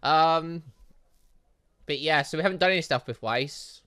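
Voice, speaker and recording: A man's voice: fairly high pitch, unhurried, pushed and bright, clean tone. A man doing casual let's play commentary, rambling and reacting aloud as he plays. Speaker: gaming channel host.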